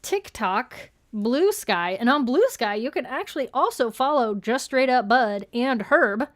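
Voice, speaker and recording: A woman with a fairly high voice co-hosts a live podcast in a relaxed, chatty style. She banters playfully and pokes fun at herself as she shares updates. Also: a little slow. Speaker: co-host of a podcast live show. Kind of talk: casual chat, announcing channel updates.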